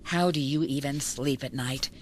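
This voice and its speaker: A woman's voice: very deep voice, normal speed, a little hiss or hum. An actress playing a stern, protective female housekeeper loyal to her household in a video game drama. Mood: reproachful, grave. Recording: music behind the voice.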